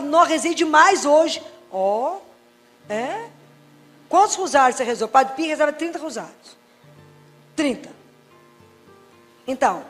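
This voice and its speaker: A woman gives an emphatic faith talk full of stories, acting out the dialogues. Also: high-pitched. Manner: lively, emphatic, acts out dialogues. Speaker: Christian speaker and pediatrician. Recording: reverberant hall with faint music.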